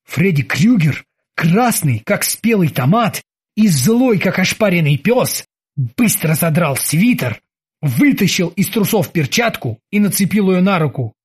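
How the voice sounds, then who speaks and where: Husky, animated male audiobook narrator. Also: high voice, measured pace.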